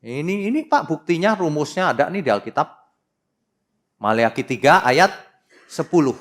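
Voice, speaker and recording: Animated preaching man, lively pitch. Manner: animated, teasing, mocking asides to the congregation; reads scripture aloud slowly and dramatically. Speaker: pastor. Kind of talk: sermon.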